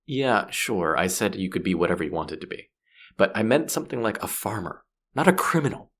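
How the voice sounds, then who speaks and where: A deep-voiced, gruff male space pirate played by a male voice actor speaks directly to the listener in a sci-fi audio roleplay. He comes across as sardonic and easily exasperated, a hard case who only grudgingly softens. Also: very animated, brisk, heavily acted. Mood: exasperated, defensive. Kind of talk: scripted audio roleplay, one-sided dialogue to listener.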